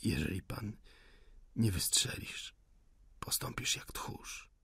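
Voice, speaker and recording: A wounded young insurgent, voiced by a man, weak and in pain, pushes out defiant words in a low, breathy half-whisper. The voice stays soft, husky and dry, as in a storybook reading. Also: lively intonation, slow, no echo, full character voice. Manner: hushed, half-whispered pleading.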